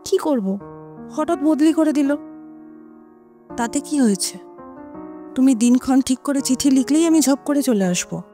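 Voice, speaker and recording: A determined, impatient woman in love in a radio play. Her voice is high but soft-edged and mellow, pressing and dismissive, with music playing behind it. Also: expressive, a little slow, long pauses. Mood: breezily determined. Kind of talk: Bengali audio drama dialogue. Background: dramatic music.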